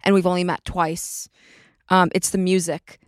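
A woman's voice: on the low side, level tone, normal speed, dry recording, clean studio sound. A woman in a casual chat, speaking in a heartfelt way and listing things with repetition.

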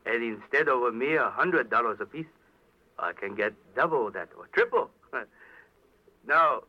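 An actor playing a smug, suave villain in a 1940s-style radio drama, talking in a precise, formal, mock-courteous way. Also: male voice, mid-range voice, lively intonation, unhurried. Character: suave, smug male Chinese crook, art-goods company president. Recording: dull old radio broadcast recording.

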